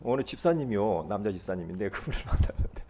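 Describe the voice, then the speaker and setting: A male pastor giving a sermon in a lively, conversational way, often asking the congregation questions. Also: lowish voice, fast. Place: church.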